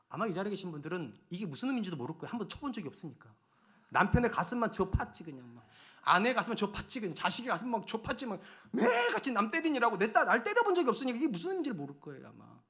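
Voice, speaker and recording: A middle-aged man preaching a Sunday sermon as senior pastor. He swings between loud, urgent pleading and hushed near-whispers. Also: sits high.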